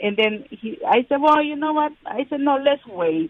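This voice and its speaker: Her voice swings very widely in pitch. The woman speaks high-pitched, in a Spanish accent. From Guatemala. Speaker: immigrant guest. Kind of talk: interview. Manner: halting, many fillers.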